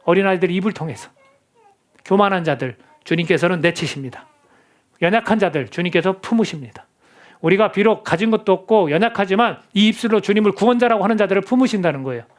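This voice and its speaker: A man's voice: sits high, lively intonation, fast. A middle-aged male pastor preaching a sermon in a church, earnest and conversational, often asking the congregation questions. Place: church sanctuary.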